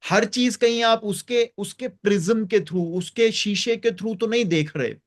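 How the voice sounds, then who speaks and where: Male host, high light voice, emphatic guide for a reflective group talk. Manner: emphatic, drawn-out stress on key phrases; warm, encouraging invitations to share.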